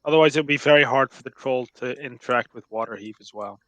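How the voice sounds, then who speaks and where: A man's voice: medium pitch, quick pace, fairly bright tone, no room sound. Casual male game master, very dry sound. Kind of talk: narrating a tabletop game, casual.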